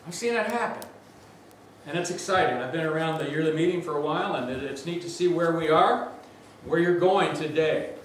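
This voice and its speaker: A man's voice: on the high side, a little fast, slight background noise. Big-voiced man preaching in an echoing church. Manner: energetic, conversational preaching with asides. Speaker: guest preacher. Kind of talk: sermon. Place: large church sanctuary. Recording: very echoey church from a distance.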